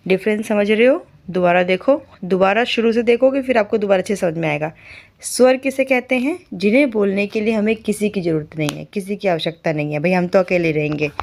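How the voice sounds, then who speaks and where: A woman teaching a beginner Hindi lesson, patiently repeating key points, asking learners questions and sounding out letters slowly and clearly. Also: medium pitch, a little mellow. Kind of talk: basic Hindi alphabet lesson.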